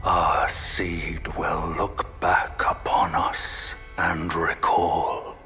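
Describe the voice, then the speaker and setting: A male actor playing a grave, deliberate storyteller of a fallen realm in a dark fantasy game, with a breathy delivery. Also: low voice, little pitch movement, soft background music, heavily acted. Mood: solemn, grave. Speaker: narrator. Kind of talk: solemn scripted dark fantasy game narration.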